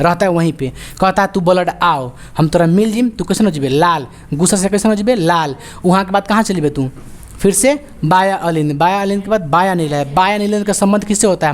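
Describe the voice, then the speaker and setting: A woman's voice: on the low side, a little mellow. Bihari accent lady teacher, quizzing the class back and forth, teasing and scolding students. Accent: Bihari Hindi. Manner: quizzing students with rapid call-and-response questions; joking, scolding. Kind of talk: classroom lecture.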